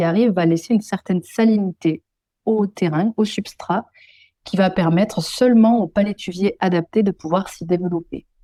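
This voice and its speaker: Her voice dark and mellow in tone, a woman of medium pitch speaks at a moderate pace with ordinary pitch variation, the sound dry and close with no echo. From southwest France, Pyrenees. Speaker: ecologist. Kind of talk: interview. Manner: hesitant, many fillers.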